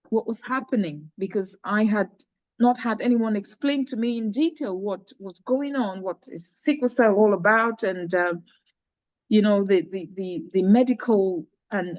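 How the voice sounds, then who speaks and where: A woman's voice: medium pitch, darkish tone, dry recording, lo-fi sound. A middle-aged woman from Cameroon, a charity founder earnestly telling her personal story in an interview, often restarting her phrases.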